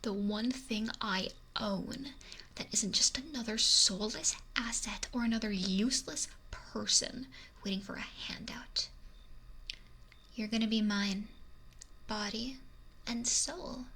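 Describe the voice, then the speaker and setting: In an intimate ASMR roleplay caught on a close binaural mic, a woman plays a possessive, domineering, wealthy mafia boss who is lonely and menacing, speaking in a fairly high, breathy, often whispered voice. Her slow, softly threatening delivery is heavily acted and feels possessive yet wistful. The low-quality recording carries a slight hiss or hum.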